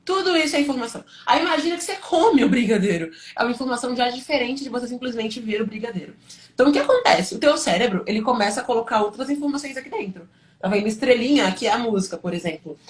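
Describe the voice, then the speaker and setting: A woman with a Brazilian accent giving an informal live lesson to students, explaining conversationally with rhetorical questions and frequent check-in tags. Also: on the high side. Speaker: teacher and study coach hosting a livestream.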